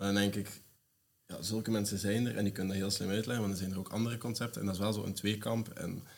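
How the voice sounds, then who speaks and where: Talking very fast in a monotone, flat intonation, a man keeps to a fairly low pitch. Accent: Flemish. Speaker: podcast host. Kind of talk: casual interview.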